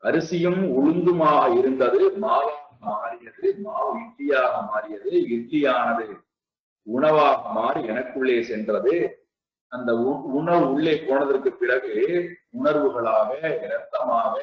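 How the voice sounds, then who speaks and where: A man giving a spiritual discourse, speaking slowly and deliberately and repeating his rhetorical questions. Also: mid-range voice. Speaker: spiritual teacher. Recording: echoey, distant, dull lo-fi sound.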